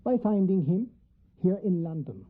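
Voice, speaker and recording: A woman playing a grave, commanding professor who hunts vampires, speaking formally and deliberately in a radio drama. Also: fairly low pitch, big pitch swings. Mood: grave, explanatory. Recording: tinny, narrow band like phone line.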